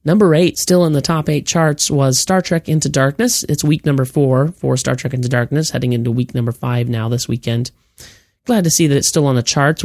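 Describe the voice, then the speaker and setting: A man's voice: medium pitch, no room sound, studio quality. A man hosting a weekly movie news podcast with a slightly froggy voice from a cold, giving blunt opinions and reading off box office numbers. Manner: reads figures in a steady list-like delivery. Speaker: podcast host.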